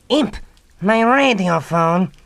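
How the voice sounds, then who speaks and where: An actor, a man, playing a petulant young mad scientist villain with a pompous, excitable delivery in a comedic radio drama. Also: high-pitched, drawn-out words, creaky, noisy background, heavily acted. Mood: smug, commanding. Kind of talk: comedic old-time radio drama acting.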